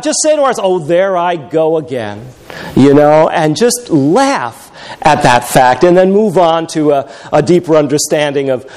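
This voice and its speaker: Middle-aged man, pastor; high-pitched, sermon delivery, wry anecdotal humor. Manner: animated storytelling with wry humor.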